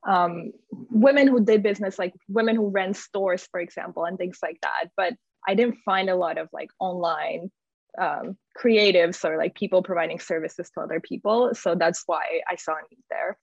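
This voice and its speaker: Low, creaky-voiced woman in an echoey room. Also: moderate pace. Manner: informal, rambling, frequent "like". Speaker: guest, community founder. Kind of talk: conversational interview answers. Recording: echoey room, slightly dull audio.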